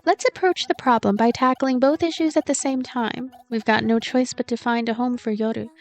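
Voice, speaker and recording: A woman's voice: on the high side, normal speed, soft background music, close to an everyday voice. A woman voicing a dignified, teacher-like young woman who takes charge in a story game, reasoning in an orderly, bossy way. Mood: brisk, composed.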